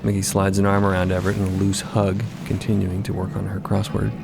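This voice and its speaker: A man's voice: low-pitched, monotone, a little fast, gravelly. A man narrating an audio drama in a conversational, storytelling tone. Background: loud background music.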